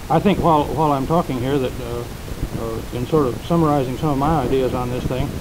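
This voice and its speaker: Over noticeable background noise, a man talks at a very fast pace with a medium pitch and fairly even intonation. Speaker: guest. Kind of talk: radio interview answer. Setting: 1950s radio tape recording. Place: hall. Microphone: old recording.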